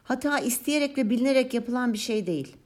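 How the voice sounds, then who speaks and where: A woman's voice: on the high side, fast. A woman in casual conversation who explains her reflections thoughtfully, with a playful, self-mocking touch.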